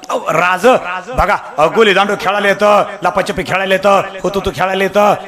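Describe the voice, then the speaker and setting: This is an eager rustic villager, humble but boastful, speaking plain country dialect in a pleading way, as a storytelling preacher puts him on. His voice sits fairly high, with a live crowd heard behind him. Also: fairly even intonation, fairly quick, lightly acted.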